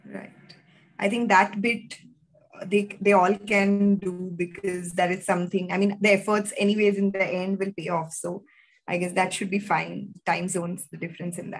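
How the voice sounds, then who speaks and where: A woman's somewhat breathy, medium-pitched voice at a moderate pace, monotone and flat in intonation, over a quiet background. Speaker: webinar moderator. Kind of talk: formal introduction. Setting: video call. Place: office. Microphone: video call.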